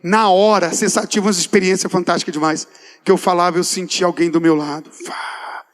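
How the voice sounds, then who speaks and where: A man, a pastor telling a lively testimony in a sermon and acting out his talks with God in folksy asides. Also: sits high, quick pace, big-room sound. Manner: animated storyteller, acts out dialogue with God, folksy asides.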